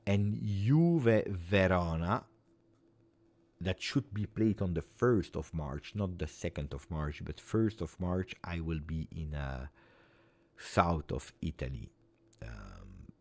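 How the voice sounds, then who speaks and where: A man's voice: low voice, darkish tone. A man in his forties speaking English as a non-native language, hosting a casual live chat with viewers, rambling and repeating himself in an earnest way. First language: not English. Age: 40s. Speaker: fan channel host.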